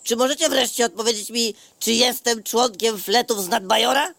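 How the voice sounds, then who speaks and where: An actor voicing Florek, a cheeky young male insect musician who mocks loudly. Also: extremely high pitch, normal speed, gravelly, no echo, heavily acted. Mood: impatient. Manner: mocking, loud cackling. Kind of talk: cartoon voice acting.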